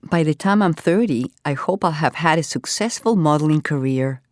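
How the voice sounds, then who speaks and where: An ambitious young aspiring model. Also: female voice, deep voice, lively intonation, normal speed, a little mellow, no room sound, clean studio sound. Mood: matter-of-fact. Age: young adult. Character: 20-year-old woman, aspiring model, ambitious.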